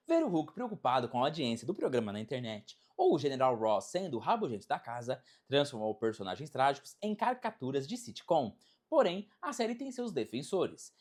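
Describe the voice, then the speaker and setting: A Brazilian narrator delivers a scripted video essay at a medium pitch. The intonation is very animated, rising and falling widely. Phrasing is emphatic and dramatic, built to present and explain.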